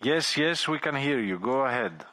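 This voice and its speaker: A man chairing a formal meeting from a conference chamber, giving brisk, short procedural instructions. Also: mid-range voice, lively intonation, pushed and bright. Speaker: president chairing the session.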